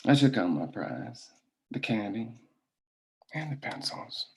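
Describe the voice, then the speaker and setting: An actor playing a patient, self-assured and menacing company owner in a script table read, telling his story in a measured, deliberate way. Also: lowish voice, sing-song, breathy edge, full character voice. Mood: quietly threatening.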